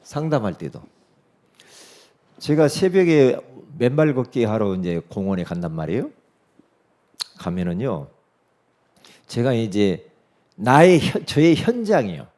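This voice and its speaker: A middle-aged man preaching a sermon, swinging from loud emphatic peaks to hushed asides and acting out dialogue in his stories. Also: medium pitch, big pitch swings, measured pace, long pauses. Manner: acts out quoted dialogue in his story. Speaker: pastor. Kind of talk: sermon with storytelling.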